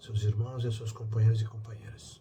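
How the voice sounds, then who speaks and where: A man's somewhat breathy voice at medium pitch, dark and mellow in tone, at a fairly quick pace. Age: 60s. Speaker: spiritist group speaker. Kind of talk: spiritual reflection talk. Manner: animated.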